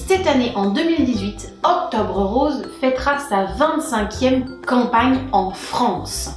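A young woman hosting a breastfeeding channel, explaining a topic in an informative vlog with playful asides. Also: high-pitched. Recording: echoey room with faint music.

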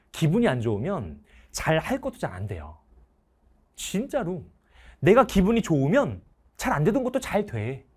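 A middle-aged male teacher giving a motivational talk to students, acting out parents and everyday scenes as he goes. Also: high-pitched. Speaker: Korean history teacher.

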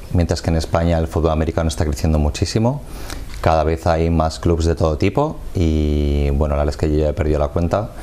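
A man, a football coach explaining his sport in a measured way during a TV studio interview on a lapel mic. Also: sits low, warm tone. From Madrid, Spain. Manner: measured, explanatory, gestures with hands.

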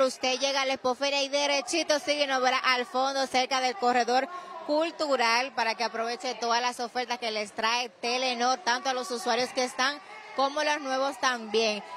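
High-voiced Dominican woman reporter at a fair. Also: a bit bright, a little hiss or hum. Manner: upbeat, promotional. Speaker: field reporter. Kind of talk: on-site TV reporting. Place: indoor expo fair hall, crowd around. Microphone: handheld mic.

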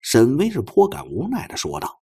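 A man narrating a novel as an audiobook, with measured, expressive, dramatic storytelling. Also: mid-range voice, breathy edge.

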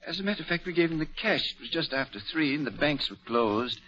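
An obliging shopkeeper jeweler, chatty and matter-of-fact, with a slightly high voice. The recording is muffled and dull, like vintage radio. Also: male voice, expressive, fast talker, pushed and bright. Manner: chatty, hesitant with uh and um. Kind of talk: 1940s radio acting. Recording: dull old radio broadcast.

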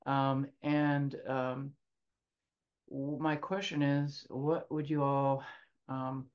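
A man's voice: mid-range voice, darkish tone, muffled recording. A man joining a video call to give thanks and ask a question, hesitant, with many fillers. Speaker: participant.

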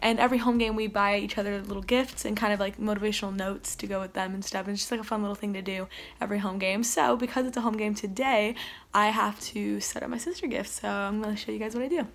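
A teenage girl vlogging casually from her bedroom, her voice a bit raspy and deep, with lots of "um" and "like" fillers. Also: fairly even intonation, quick pace. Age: teens. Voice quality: slightly raspy, deep from games. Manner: chatty, many fillers like "um" and "like". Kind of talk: casual vlog chat. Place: bedroom, indoors. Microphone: phone or camera close up, later farther off.

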